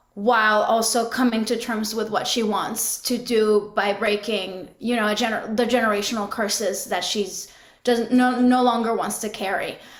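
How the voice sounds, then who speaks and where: With audible room echo and noticeable background noise, a woman speaks at a moderate pace with hardly any pauses, her fairly high voice held to fairly even intonation. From Dominican Republic. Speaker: film writer and director. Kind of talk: interview.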